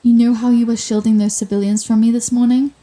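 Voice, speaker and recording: A woman's voice: fairly high pitch, little pitch movement, fast talker, mellow, natural voice. A woman playing a sardonic telepathic supervillain in an ASMR roleplay, theatrical and sarcastic, menacing with a hidden compassionate streak. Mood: softening, concerned. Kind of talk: ASMR roleplay audio drama.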